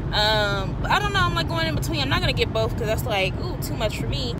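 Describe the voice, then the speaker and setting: Loud noise fills the background behind a woman's voice. There is no echo, and the sound is dry. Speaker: vlogger. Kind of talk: casual vlog chat. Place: car. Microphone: phone near.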